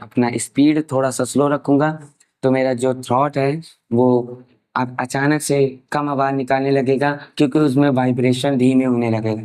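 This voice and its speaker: A man's voice: medium pitch, darkish tone, low-quality recording. A young man from India with an Indian accent, teaching English grammar in an online class, explaining step by step and dictating examples word by word. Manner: mixes English terms into Hindi explanation.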